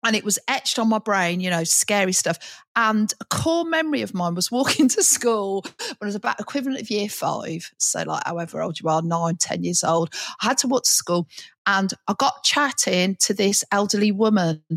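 A middle-aged woman, co-hosting a podcast and telling a lively anecdote with frequent laughter. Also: mid-range voice, moderate pace, dry recording. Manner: lively storyteller, chatty, laughs often. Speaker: podcast co-host, teacher trainer. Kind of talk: casual chat, anecdote.

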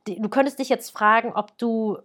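A woman's voice: fairly high pitch, moderate pace. A woman in her thirties, born in Germany, talking casually and directly to the listener as a wedding planner giving advice. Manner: chatty, lively, speaks directly to the listener.

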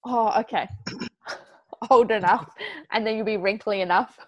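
A woman's voice: mid-range voice, measured pace, dull audio. A woman co-hosting a podcast, bubbly and teasing as she puts questions to her guest. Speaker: podcast co-host. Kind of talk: casual interview chat.

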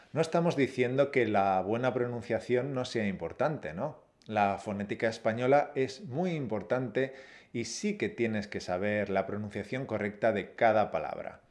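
A man co-hosting a Spanish-learning podcast, explaining steps in a steady, encouraging way. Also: medium pitch. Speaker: Spanish teacher, podcast co-host. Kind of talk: scripted lesson.

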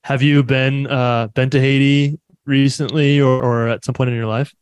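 A man's voice: medium pitch, flat delivery, moderate pace, smooth, dry recording. A man hosting a podcast, talking in an easygoing, chatty way and laughing often. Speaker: podcast host. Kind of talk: casual interview chat.

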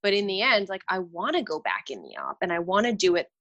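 On lo-fi audio, a Romanian woman talks fast in a mid-range voice during a casual podcast interview. She works as a dental hygienist and discusses her work and life with candor and animation, poking fun at herself with laughter.

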